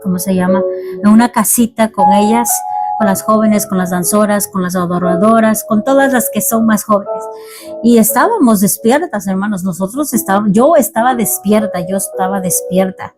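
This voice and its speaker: A woman's voice: mid-range voice, moderate pace. A woman preaching a heartfelt sermon testimony, earnest and exhorting, repeating phrases for emphasis. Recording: music playing clearly behind her. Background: music.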